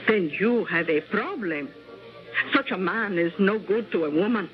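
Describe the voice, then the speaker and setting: An actress playing a wily, excitable aging Latina cook in a radio drama, theatrical and cajoling. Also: female voice, medium pitch, measured pace, faint music behind, natural voice. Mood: sly, coaxing. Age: older. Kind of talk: old-time radio drama acting. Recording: dull lo-fi radio drama recording.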